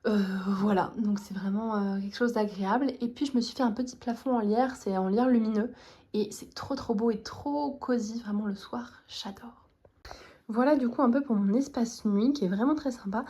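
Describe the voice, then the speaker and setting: A woman's voice: on the high side, normal speed, dark tone. A young woman from France with a French accent, chatting casually and enthusiastically through a tour of her small student bedroom. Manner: chatty, many fillers, enthusiastic. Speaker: vlogger. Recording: roomy, from a distance, faint noise.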